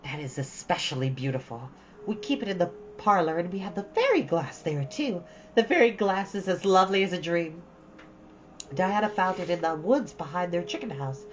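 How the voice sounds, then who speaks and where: A woman's voice: lowish voice, expressive, normal speed, close to an everyday voice. A woman voicing a dreamy, romantic, chattering young girl in a storybook, gushing with dramatic earnestness. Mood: proud, enchanted. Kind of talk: storybook read-aloud. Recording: dull, lo-fi, faint background noise.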